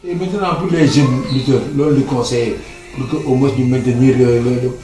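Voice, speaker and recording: A man with a Senegalese accent interviewing a guest on a sports show, agreeable and quick with short affirmations. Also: medium pitch, fairly even intonation, warm tone. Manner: agreeable, frequent back-channel responses. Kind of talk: conversational interview, mixing two languages. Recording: roomy, distant mic with faint music.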